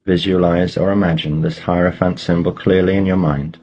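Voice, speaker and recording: A man leading a guided meditation, giving slow, measured instructions with pauses between phrases. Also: deep voice, level tone, darkish tone, husky, muffled recording.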